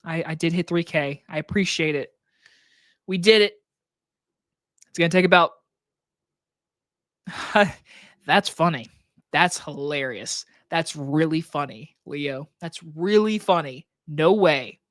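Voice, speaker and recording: Hoarse man streaming from his desk. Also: a little high, slow, long pauses, a bit bright, no room sound, clean studio sound. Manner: loose, rambling talk with many likes and restarts. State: hoarse, scratchy throat. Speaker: movie reviewer and channel host. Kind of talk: casual live stream Q&A. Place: home desk setup. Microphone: desk microphone on a boom arm.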